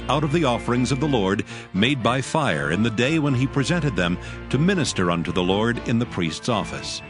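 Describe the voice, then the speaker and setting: Deep-ish guy narrating bible drama, formal n solemn, expressive ups and downs, music clearly under him.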